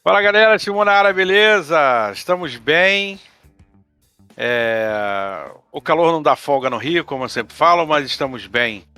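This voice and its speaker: A man in his forties from Rio de Janeiro with a Carioca accent, a guest chatting in a relaxed, joking way about his long history with tabletop games. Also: on the high side, unhurried, clear, resonant tone, no echo, faint music behind. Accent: Carioca Brazilian Portuguese. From Rio de Janeiro, Brazil. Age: 40s. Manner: laid-back, jokey, self-deprecating. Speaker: guest, RPG game master and writer. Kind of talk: casual interview chat.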